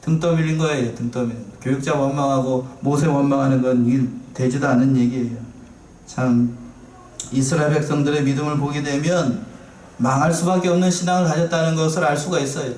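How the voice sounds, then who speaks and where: Captured from afar in an echoey church sanctuary, a man delivers a sermon in a slightly mellow, mid-range voice with fairly even intonation and a slightly quick pace. He poses rhetorical questions and conversationally repeats key phrases, over a little hiss or hum.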